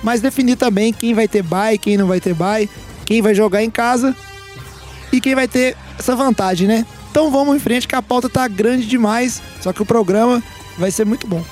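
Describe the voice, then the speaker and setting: Soft background music accompanies a man with a very high, somewhat mellow voice speaking at a moderate pace. He hosts a casual sports podcast, his Brazilian Portuguese accent clear as he jokes around with co-hosts in an upbeat way.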